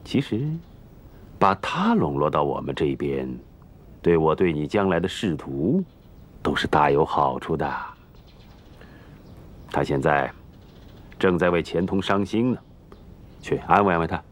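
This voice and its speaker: A man's voice: a bass voice, animated, unhurried, long pauses, heavily acted. An actor playing a scheming middle-aged father who coaxes his son toward an ambitious match in a period TV drama. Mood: coaxing. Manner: persuasive, coaxing.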